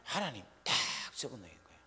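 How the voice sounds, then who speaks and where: A man's voice: medium pitch, big pitch swings, quick pace, bright, forceful tone. A man preaching a revival sermon in a church, questioning the congregation and acting out scolding parents. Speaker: pastor. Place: church sanctuary. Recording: long church hall reverb.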